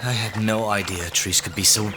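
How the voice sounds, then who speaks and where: A man's voice: on the low side, fairly even intonation, moderate pace, noisy background, lightly acted. An actor playing a squeamish, sardonic man in an audio drama, a reluctant space traveler, uneasy and wry.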